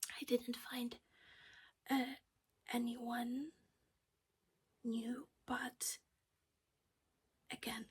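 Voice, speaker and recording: A woman's voice: fairly high pitch, little pitch movement, drawn-out words, long pauses, slightly rough. A woman whispering her way through a casual cross-stitch project chat at home while losing her voice.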